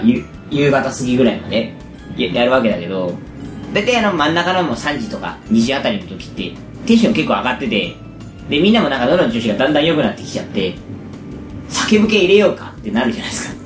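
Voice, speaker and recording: A show host chats casually and at length, his voice hoarse and gravelly after a day of shouting karaoke. He talks quickly in a sing-song, mid-range voice, in an echoey room with music playing behind him.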